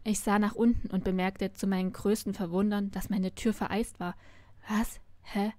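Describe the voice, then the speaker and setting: A woman's voice: mid-range voice, flat delivery, brisk, a little mellow, no echo. A woman reading a novel aloud, narrating expressively in the first person. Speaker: story reader.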